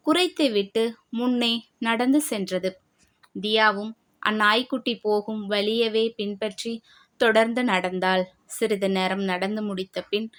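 A woman narrating an audio novel in a steady storytelling voice. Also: mid-range voice.

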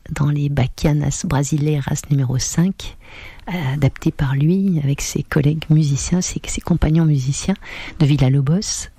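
A woman hosts a radio program and signs off to her audience. Her voice is mellow and dark, recorded dry and close in a studio. She speaks to the listeners directly, with hesitations between phrases. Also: sits low, slightly rough, no room sound. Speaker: radio host. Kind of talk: radio show sign-off.

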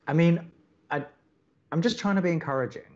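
An actor playing an earnest, awkward young college radio co-host in a romantic comedy podcast, hesitant and stammering. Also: male voice, a little high, fairly quick, a little mellow, highs cut off, lightly acted. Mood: awkward, encouraging. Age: young adult.

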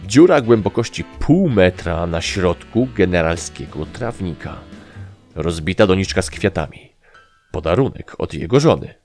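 Guy reading a story out loud, really expressive, soft music under it. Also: low-pitched, unhurried. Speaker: audiobook narrator. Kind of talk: first-person story narration.

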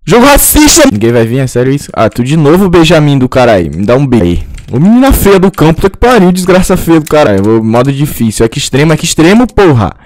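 Excitable, swearing gamer guy. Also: mid-range voice, fast talker, few pauses, dry recording. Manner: swears a lot, yells and shrieks when caught. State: sore throat. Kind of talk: casual let's-play commentary.

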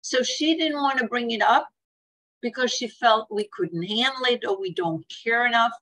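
A woman's voice: a little high, moderate pace, a bit bright, rough recording. An older woman with a Swiss accent talks on a video call from home. She speaks earnestly and tells stories, slipping into the voices of the family members she quotes. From Switzerland. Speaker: hospice speaker on care planning. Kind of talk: webinar talk with anecdotes. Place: home room, indoors.

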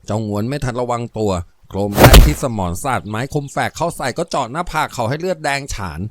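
Expressive male audiobook narrator. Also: mid-range voice, quick pace, very noisy. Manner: expressive storytelling. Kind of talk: audiobook novel reading.

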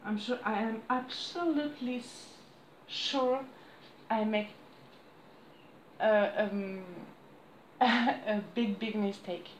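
A woman in her thirties with a French accent, chatting to camera at home in halting English, losing her voice. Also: on the high side, fairly even intonation, reverberant, slight background noise. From France. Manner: halting non-native English with frequent restarts and apologies. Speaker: crafts vlogger. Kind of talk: casual chat to camera. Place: small room indoors at home. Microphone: camera on a desk close by.

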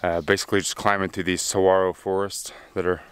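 Low, smooth-voiced man in his thirties, casual outdoor hiking vlog, handheld camera, easygoing and upbeat. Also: fast talker, no echo. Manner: relaxed, upbeat, trailing off into low mutters. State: slightly winded from climbing. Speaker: thru-hiker vlogger. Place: outdoors in open desert. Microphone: handheld camera at arm's length.

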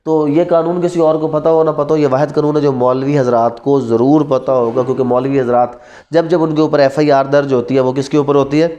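A man's voice: mid-range voice, little pitch movement, a little fast, mellow. A man in his thirties with a Pakistani accent teaches a class, posing rhetorical questions and repeating key terms. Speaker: law teacher. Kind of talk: classroom lecture mixing Urdu and English terms. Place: indoors in front of a classroom whiteboard.

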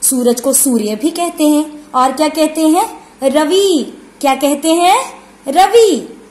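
A woman teaching young children, who explains slowly, asks questions and repeats and stresses key words. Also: high-pitched, a little mellow. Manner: calls the pupils 'beta' and asks questions before answering them. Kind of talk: online lesson for young children. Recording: echoey room.

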